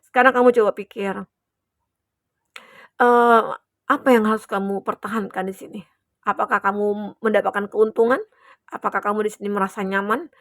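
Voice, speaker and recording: A woman's voice: medium pitch, fairly even intonation, moderate pace, long pauses, no echo, clean studio sound. A young adult woman giving a chatty, reassuring collective tarot reading to her viewers, with many fillers. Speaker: tarot reader.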